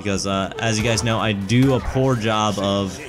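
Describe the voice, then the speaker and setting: Music plays in the background as a man speaks amid audible room echo. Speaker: gaming youtuber. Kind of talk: gameplay commentary. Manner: fast.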